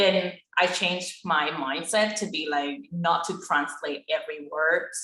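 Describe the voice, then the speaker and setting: Fairly slow speech in a Thai accent with ordinary pitch variation. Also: woman, fairly low pitch for a woman. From Thailand. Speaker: teaching assistant. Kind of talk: interview. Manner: halting.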